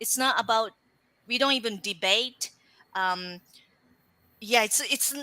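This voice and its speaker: A woman with a Japanese accent speaks fairly slowly in a fairly high, bright, sharp voice, with ordinary pitch variation and long, frequent pauses. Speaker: manga artist. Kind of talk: casual interview chat. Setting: live studio show. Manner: halting.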